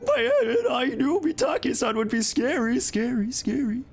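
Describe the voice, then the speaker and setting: A man streamer voicing a young schoolgirl in a flashback, repeating his last words softer and softer to mimic a distant echo. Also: sing-song, normal speed, vocal fry, breathy edge, soft background music, heavily acted. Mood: nervous recalling. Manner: high put-on voice, trailing words echoed softer. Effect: distant flashback echo made by repeating the last words, fading.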